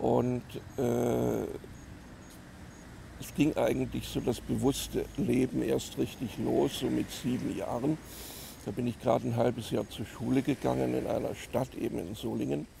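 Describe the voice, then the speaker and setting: The speech comes at a fairly slow pace. Long, frequent pauses break it up. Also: man. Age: 60s. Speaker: interviewee, self-described scientist. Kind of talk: interview. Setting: outdoors in a park. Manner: hesitant, many filler sounds.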